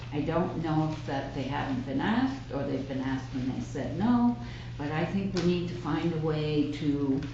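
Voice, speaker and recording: Fairly even intonation amid audible room echo and noticeable background noise. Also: woman. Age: 60s. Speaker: town council member. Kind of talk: council meeting discussion.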